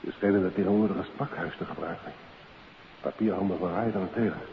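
A Dutch actor playing a brisk, commanding police inspector in a 1950s radio play. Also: male voice, deep voice, gravelly. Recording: tinny, hissy 1950s radio recording.

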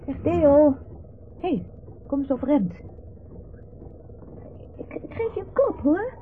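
An actress playing a fretful, caring wife of a company director in a Dutch radio play. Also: female voice, high voice, big pitch swings, slow pace, heavily acted. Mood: urging, nervous. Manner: fretful, solicitous. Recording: muffled, noisy old radio play recording.

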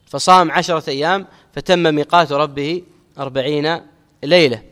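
A middle-aged man teaching an Islamic religious lesson, explaining a text and quoting scripture, with measured teaching and key phrases repeated for emphasis. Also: fairly high pitch, fairly even intonation, fairly bright tone. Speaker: Islamic scholar teaching hadith commentary. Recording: long hall reverb.

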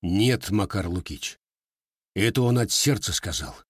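A proud, sharp-tongued young armorer, as a man reads him in a storybook. He speaks in a dry, curt way, a little above the narrator's pitch, recorded close and dry. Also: expressive, measured pace, slightly rough, no echo. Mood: calm.

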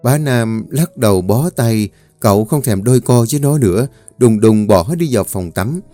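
A man narrating a family drama story in a calm, even storytelling voice. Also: mid-range voice, normal speed, no room sound, soft background music.

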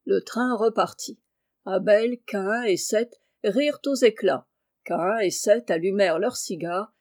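A woman from France reading a classic novel aloud in a lively, expressive way. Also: mid-range voice. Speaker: audiobook reader.

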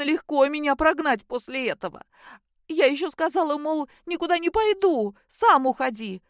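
A woman reading aloud and voicing a sobbing, furious young married daughter, in a shrill, high and outraged tone. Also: no echo, studio quality.

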